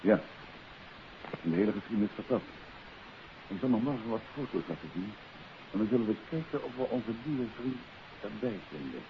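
A confident gentleman detective in a 1950s radio play. His mid-pitched voice moves with very lively intonation, on a dull old recording with clear hiss. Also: a little fast, pauses often. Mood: businesslike. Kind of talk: 1950s radio drama acting.

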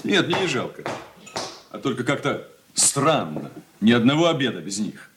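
Man doing a curt, irritable young son, lively pitch, roomy and distant. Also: normal speed, background noise, lightly acted. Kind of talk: 1980s radio drama acting.

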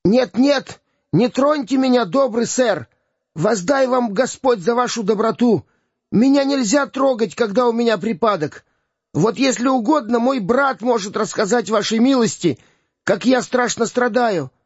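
A man's voice: very high voice, unhurried, husky, no echo, pitched above the performer's own voice, full character voice. A man voicing a sly, bossy beggar boy who wheedles and bullies by turns. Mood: whining. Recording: dull, dry lo-fi recording.

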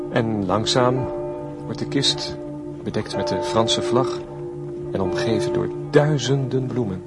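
Male 1950s reporter, radio drama, low pitch, solemn halting live commentary over prominent music. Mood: hushed, reverent. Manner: hesitant, descriptive, reverent.

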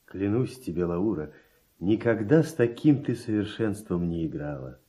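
An actor playing an effusive, courtly guest who pays florid compliments in a classic verse radio drama. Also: male voice, low voice, lively intonation, normal speed, warm tone. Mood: admiring. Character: admiring, courtly male guest, effusive and conciliatory.

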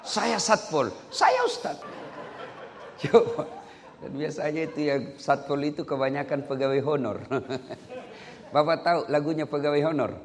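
A man from Indonesia giving a joking sermon, animated and breaking into loud, high bursts. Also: unhurried, long pauses, big-room sound. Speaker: preacher. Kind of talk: comedic sermon.

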